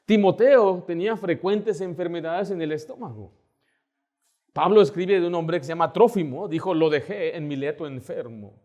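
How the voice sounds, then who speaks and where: Male pastor, high voice, animated conversational sermon with acted-out quotes. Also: normal speed, lo-fi sound. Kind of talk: Baptist sermon.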